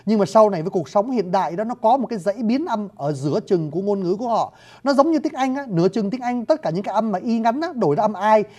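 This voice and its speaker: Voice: mid-range voice, lively intonation, quick pace, a little mellow. A lecturer, explaining at length and often addressing listeners directly. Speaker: lecturer on scripts and languages. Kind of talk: spoken lecture.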